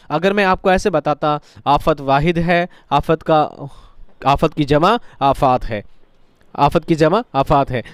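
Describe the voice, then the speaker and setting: A man's voice: a little high, clean tone, no room sound. Male teacher quizzing and answering himself. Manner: asks students questions and answers them himself; repeats key points patiently. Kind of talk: recorded grammar lesson.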